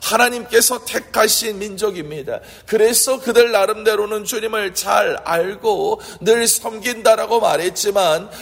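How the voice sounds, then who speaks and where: A man's voice: sits high, vocal fry, breathy edge. A man preaching a sermon as a pastor, earnest and fervent, asking rhetorical questions. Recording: long hall reverb.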